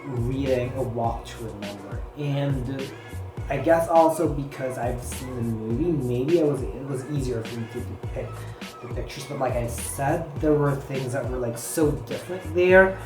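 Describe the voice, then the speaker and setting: Background music and room echo surround a Filipino book vlogger, a native Filipino speaker, who speaks at medium pitch and a measured pace. She chats to camera in a rambling way, heavy on "you know" and "like".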